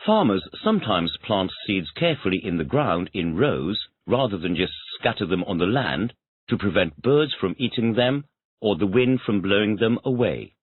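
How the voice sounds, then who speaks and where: With a fairly low, husky voice that swings widely in pitch, an English student answers at normal speed by restating each question in complete sentences. The recording is dry and tinny, like phone audio.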